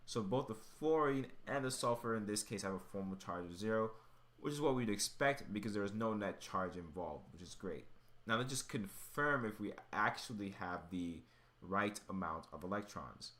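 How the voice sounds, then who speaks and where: Low-voiced man tutoring step by step. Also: expressive, moderate pace, fairly bright tone. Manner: thinking aloud while working. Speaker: chemistry tutor. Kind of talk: informal step-by-step tutoring explanation.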